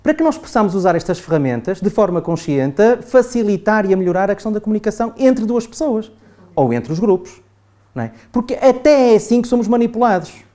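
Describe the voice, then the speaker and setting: A man's voice: sits high, lively intonation, fast, warm tone. A man with a European Portuguese accent giving a chatty classroom talk to adults, often asking the group "não é?". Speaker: trainer. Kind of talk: classroom lecture.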